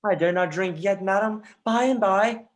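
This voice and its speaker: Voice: mid-range voice, normal speed, close to an everyday voice. An actor playing a brooding, earnest young prince with a defiant streak in a livestreamed reading of Shakespearean verse. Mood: spirited, taunting. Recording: livestreamed remote call.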